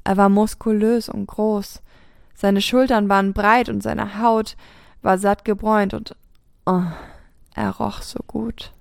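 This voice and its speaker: A woman reading a first-person erotic story aloud, with steady, even narration. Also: mid-range voice, takes it slowly, gravelly, dry recording, clean studio sound. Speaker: podcast host reading a story.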